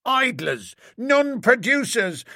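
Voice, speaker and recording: A man's voice: very high voice, very animated, slow pace, sharp tone, no room sound, clean studio sound, pitched above the performer's own voice, exaggerated voice. A man voicing a bearded street-corner agitator who bellows scornful, declamatory speeches at a crowd. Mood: ranting.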